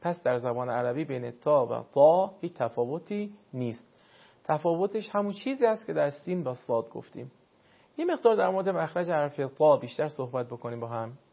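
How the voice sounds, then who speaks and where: A man teaching the pronunciation of Arabic letters for recitation, explaining patiently and slowing down to demonstrate each sound. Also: on the high side, expressive, creaky. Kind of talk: spoken pronunciation lesson. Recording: dull lo-fi sound.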